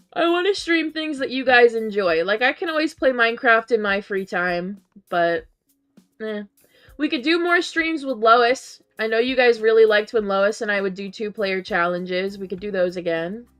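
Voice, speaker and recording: With music playing in the background, a woman with a fairly high pitch speaks at a moderate pace, her pitch swinging very widely. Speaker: game streamer. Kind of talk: casual chat. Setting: live stream. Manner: stuttering.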